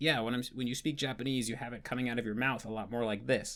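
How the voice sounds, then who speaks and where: Putting on a character voice, a man speaks very fast at medium pitch with monotone, flat intonation. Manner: demonstrating a vocal placement.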